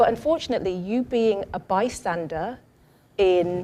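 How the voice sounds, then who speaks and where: Dark and mellow in tone, a woman speaks with ordinary pitch variation. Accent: British. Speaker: panel guest, government marketing officer. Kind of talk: panel discussion.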